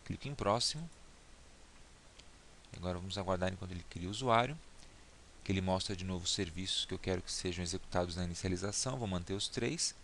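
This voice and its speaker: A man with a somewhat low voice narrates a computer tutorial at an easy pace. He talks the viewer through each click and keeps checking in, and a faint hiss and mouse clicks sit under his voice. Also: fast, vocal fry, long pauses, fairly bright tone. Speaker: instructor. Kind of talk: screen-recorded software tutorial.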